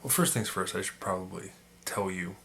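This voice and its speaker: Sick man with a gravelly raspy voice. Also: low-pitched, fairly quick, a bit bright, a little hiss or hum. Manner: rambling, with many restarts and fillers. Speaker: photography YouTuber. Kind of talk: casual opinion vlog.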